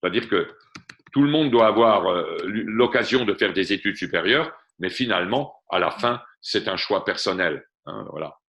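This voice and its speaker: A man gives a patient one-on-one lesson over a video call. His voice sits a little low but has a bright, forward ring. He talks through grammar examples at an easy teaching pace. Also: animated, moderate pace, vocal fry. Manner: explains patiently, mixes in English glosses. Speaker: French tutor. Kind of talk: online tutoring session. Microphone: computer mic on a video call.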